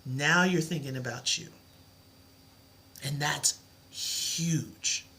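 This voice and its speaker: A woman's voice: deep voice, drawn-out words, sharp tone. A middle-aged woman teaching a live math lesson, with a soothing voice and an encouraging, reassuring way of talking. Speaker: math tutor.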